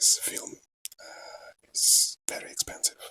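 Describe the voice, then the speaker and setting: A man whispers in a dry, close sound with no echo. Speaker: actor. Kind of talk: ASMR rambling talk. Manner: whispered.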